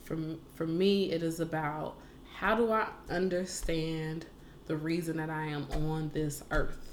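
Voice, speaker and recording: A woman with an American accent at a fairly slow pace, fairly even in intonation, with audible room echo. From Chicago. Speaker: activist and poet. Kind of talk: casual chat.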